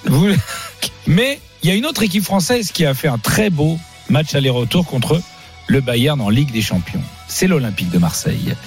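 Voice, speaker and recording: A man's voice: a little high, very animated, moderate pace, soft background music. A man running a quiz on a football show, teasing the players and laughing as he goes. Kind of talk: casual banter on a football quiz.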